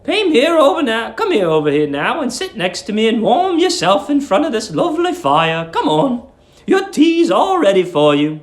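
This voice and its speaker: A man's voice: extremely high pitch, huge pitch swings, pitched above the performer's own voice, exaggerated voice. A man voicing a middle-aged English landlady who is sugary, fussing and eerily attentive, cooing theatrically in a storybook reading. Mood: fussily insistent. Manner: cooing, theatrical, drawn-out exclamations. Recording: roomy echo.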